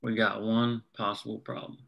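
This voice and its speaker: A man's voice: lowish voice, flat delivery, normal speed, vocal fry, fairly bright tone. A man reading the part of a blunt, plain-spoken union coal miner in a drama table read. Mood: grave.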